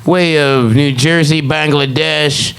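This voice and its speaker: A man co-hosting a casual comedy podcast who talks fast and jumps in on the others. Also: fairly high pitch, fairly even intonation, fairly bright tone, clean tone. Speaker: podcast co-host.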